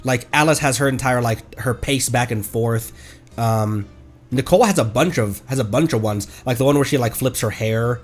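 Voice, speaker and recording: A man's voice: medium pitch, moderate pace. A man live-streaming casual game commentary in a giggly, gushing way. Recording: game music faintly behind. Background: video game music.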